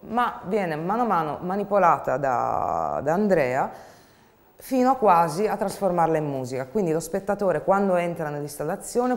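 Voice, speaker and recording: A woman in her thirties describing her performance work in an interview, reflective and halting. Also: lowish voice, a little mellow. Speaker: performer and theatre artist. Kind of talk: explanatory interview talk. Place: seated in a dark studio, indoors.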